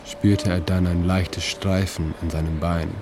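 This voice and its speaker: A man reading his own literary narration in a calm, measured way, with slow deliberate pauses. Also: deep voice, noisy background. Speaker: narrator and author. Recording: narration over music.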